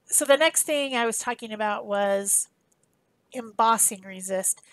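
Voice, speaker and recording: A woman's voice: a little high, measured pace, fairly bright tone, no echo. A woman giving a casual, chatty voice-over for a craft demonstration, explaining informally as she goes. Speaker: craft tutorial host.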